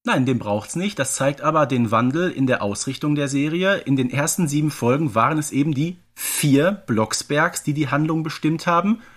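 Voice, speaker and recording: Higher-voiced man co-hosting a podcast. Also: normal speed, few pauses, fairly bright tone. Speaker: podcast co-host. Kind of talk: casual analytical chat.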